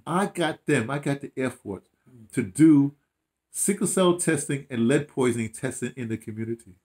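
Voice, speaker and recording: A man's voice: medium pitch, normal speed. Older American man, rambling storyteller. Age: 60s or older. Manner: animated, rambling, emphatic, with false starts and repeated phrases. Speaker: audio dramatist being interviewed. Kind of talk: casual reflective interview talk, storytelling. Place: small room at home, indoors.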